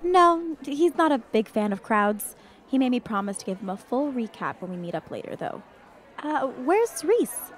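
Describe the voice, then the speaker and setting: Chatty friendly woman, highish animated voice, audio drama, faint crowd murmur. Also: moderate pace.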